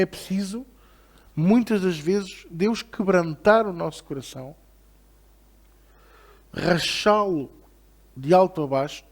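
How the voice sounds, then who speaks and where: A man preaching a Bible study in European Portuguese, his voice sitting a little high. He talks to the congregation with frequent rhetorical questions and moves into a reverent prayer. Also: a little mellow. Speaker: pastor.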